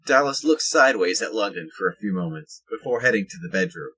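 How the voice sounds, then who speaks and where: A man with a husky voice reading scripted narration for an audio drama. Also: fairly low pitch, expressive, fast talker, sharp tone, poor audio.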